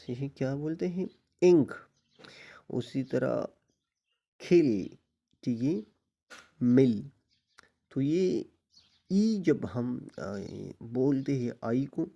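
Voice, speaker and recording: A man's voice: mid-range voice, warm tone. A man teaching English vowel sounds, saying example words again and again and checking that his students follow. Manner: repeats example words slowly, asks checking questions. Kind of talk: explaining English pronunciation.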